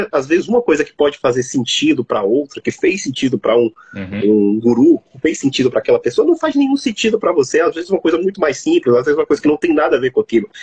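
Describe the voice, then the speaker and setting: A man with a Brazilian accent at a very fast pace, in a dry, close sound with no echo. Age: 30s. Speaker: psychologist. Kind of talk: live stream conversation.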